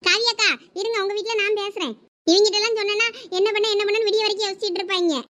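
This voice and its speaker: A woman's voice: very high voice, fairly even intonation, rapid-fire, fairly bright tone. A woman voicing bickering young village wives in a comic cartoon family drama, with a Thoothukudi Tamil accent and a quarrelsome, complaining manner. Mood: annoyed. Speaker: cartoon voice actor.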